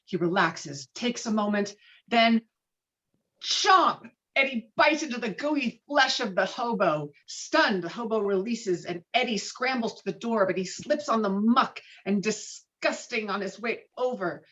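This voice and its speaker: A woman reading screenplay stage directions with dramatic, expressive delivery over a video call. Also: medium pitch, unhurried, muffled recording. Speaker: stage directions reader at a table read.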